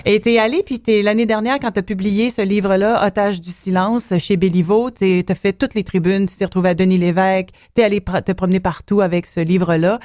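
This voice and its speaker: A woman with a Québécois accent runs the interview in a chatty, easygoing way, filling pauses with little hesitations. Her voice sits at a middling pitch. The sound is dry and close, with no room echo. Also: steady tone, a little mellow. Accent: Québécois French. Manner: chatty, filler-heavy, speeds up and slows down. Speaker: interview host. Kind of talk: conversational interview.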